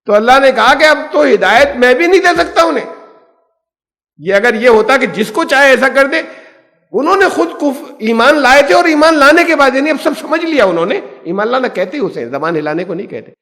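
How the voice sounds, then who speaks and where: A man's voice: very high-pitched, fairly bright tone. A man teaching a Quran lesson as an Islamic scholar, explaining patiently and asking rhetorical questions. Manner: explanatory, poses rhetorical questions, mixes English terms. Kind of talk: Quran lecture. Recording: echoey hall reverb.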